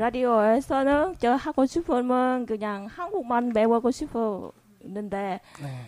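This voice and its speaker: Very slow and lively in intonation, a woman with a high pitch speaks with a Vietnamese accent. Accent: Vietnamese-accented Korean. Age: 30s. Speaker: migrant participant in radio workshop. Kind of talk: peer interview in halting Korean.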